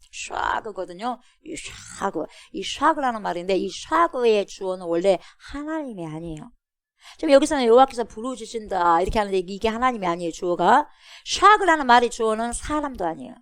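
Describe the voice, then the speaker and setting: A woman pastor giving an animated expository sermon, calling out to her congregation and acting out a roaring lion. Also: medium pitch, no room sound, clean studio sound.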